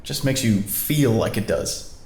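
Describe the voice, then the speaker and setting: Man playing a gravelly, wry know-it-all. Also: lowish voice, animated, unhurried, a little mellow, roomy sound. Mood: wry, teasing. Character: earnest, teasing, know-it-all man, gently persistent. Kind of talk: naturalistic audio drama acting.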